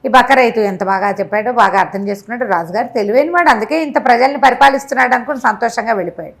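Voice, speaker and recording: A woman with a fairly high voice tells a folk tale as a storyteller would in conversation. She is animated and chatty, slipping into characters' dialogue and adding asides for her listener. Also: very fast, vocal fry.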